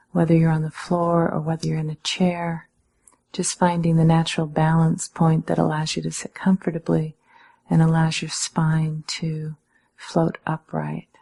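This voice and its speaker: In a low, breathy voice with a touch of huskiness, a woman teaches meditation. She delivers measured, calm guidance and lets gentle pauses settle between phrases.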